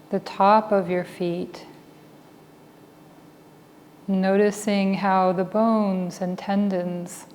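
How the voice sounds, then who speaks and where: A woman teaches a guided meditation in a mellow, medium-pitched voice. She is calm and very unhurried, leaving long pauses between short phrases. Her voice carries a long reverb. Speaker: meditation teacher and Buddhist chaplain. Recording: reverberant hall with faint background noise.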